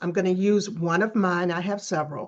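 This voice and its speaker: A woman talks in a plain, everyday voice at a medium pitch with ordinary pitch variation. The background is quiet. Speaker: sales coach.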